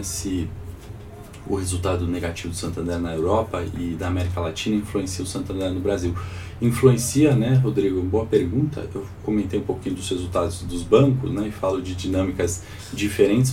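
Brazilian man, deep pitch, thick sore-throat voice with a head cold, swollen-tonsils sound, informal finance host, distant mic, faint background noise. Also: dark tone. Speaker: host of a live financial morning call. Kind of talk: informal live market commentary with audience questions.

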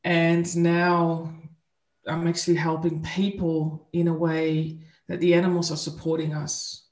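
A woman from the Netherlands, a spiritual coach telling her story as an interview guest in an earnest, unhurried way. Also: sits low, monotone, a little mellow, echoey room. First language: Dutch.

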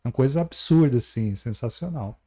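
A Brazilian man hosts a podcast in a relaxed conversation, his voice mid-pitched and mellow. He reacts with enthusiasm and sums up ideas with homely images. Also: brisk, soft background music. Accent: Brazilian Portuguese. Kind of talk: casual podcast chat.

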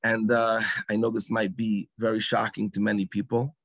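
A man from England with an English accent, speaking at a religious gathering and telling a story with dramatic pauses. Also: on the low side, no room sound. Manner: animated storyteller, acts out lines with dramatic pauses.

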